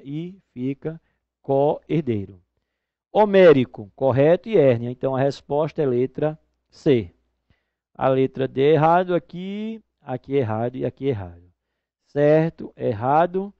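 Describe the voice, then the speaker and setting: A male teacher talks through exam answers in a somewhat high voice. He spells out word parts slowly and keeps checking in with "right?". The recording is dry, close and slightly dull. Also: no room sound. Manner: didactic, checks in with tag questions like "né?" and "correto?". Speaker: Portuguese teacher. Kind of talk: exam-prep video lesson.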